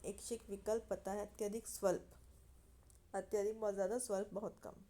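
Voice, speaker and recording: A woman's voice: mid-range voice, level tone, normal speed, mellow, a little hiss or hum. A woman teacher reading out pairs of opposite words for an exam-prep lesson, adding short explanations. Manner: reads word pairs in a list, with short explanations.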